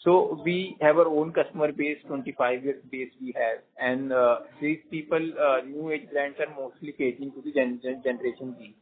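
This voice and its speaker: A man with an Indian accent answering investor questions as a company executive on an earnings conference call, haltingly repeating phrases. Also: medium pitch, fairly even intonation. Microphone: conference phone line. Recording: muffled narrow-band conference call.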